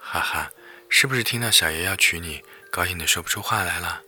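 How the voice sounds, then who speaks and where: A man's voice: sits low, brisk, pushed and bright, breathy edge, soft background music, heavily acted. A man voicing an arrogant, impatient young man who bosses people around with rude, mocking talk. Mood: cocky.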